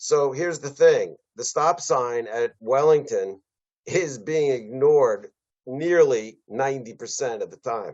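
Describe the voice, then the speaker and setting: An unremarkable speaking voice from a man with an American accent, fairly high in pitch, fairly slow, with ordinary pitch variation. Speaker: village trustee. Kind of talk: public meeting remarks. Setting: village board meeting.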